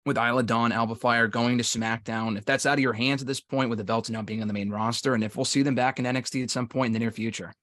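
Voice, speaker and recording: A man talks quickly in a medium-pitched voice. He is a reporter putting a casual question on a press call. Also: level tone, fairly bright tone.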